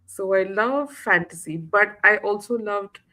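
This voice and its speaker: A woman's voice: mid-range voice, a little slow, bright, forceful tone. A woman author who grew up in the United Arab Emirates, chatting casually as a guest, with many fillers and restarts. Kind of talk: casual interview chat.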